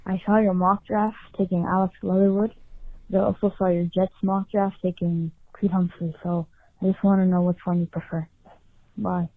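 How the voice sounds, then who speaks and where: A woman's voice: fairly low pitch, flat delivery, normal speed, no echo. A woman leaving a casual fan question as a voicemail over a narrow phone line.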